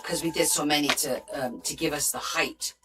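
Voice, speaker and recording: A woman born in Portugal and raised in New Jersey, with a light New Jersey accent, hosts a casual crafting livestream, chatting with viewers and reading their comments aloud. Her low-pitched voice moves at normal speed, full of lively rises and soft asides. Music plays underneath, and the audio quality is poor.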